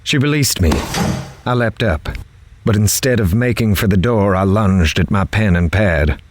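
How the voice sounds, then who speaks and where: An actor playing an uneasy male reporter, narrating a prison interview in grave, measured first person for an audio drama. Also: lowish voice, slight background noise, lightly acted. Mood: tense, grave. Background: music.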